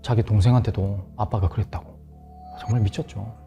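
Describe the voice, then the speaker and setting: Male storyteller, low mellow voice, hushed and dramatic, faint music underneath. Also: steady tone, a little fast, gravelly. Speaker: guest storyteller on a horror talk show. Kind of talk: spoken ghost-story telling.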